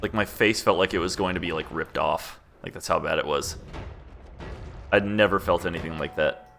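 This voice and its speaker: A chatty young man in his twenties with a fairly low voice, talking loosely through a gaming stream. He rambles and laughs at himself as he plays. A faint hiss sits under the recording. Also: normal speed, gravelly, fairly bright tone. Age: 20s. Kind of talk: casual gameplay commentary chatting with chat.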